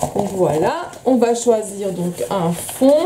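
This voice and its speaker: Speaking at a very slow pace, a woman's voice sits at a medium pitch. Audible room echo and noticeable background noise surround her. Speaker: scrapbooking tutorial maker and shop owner. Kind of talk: tutorial. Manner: hesitant, many fillers; casual, chatty.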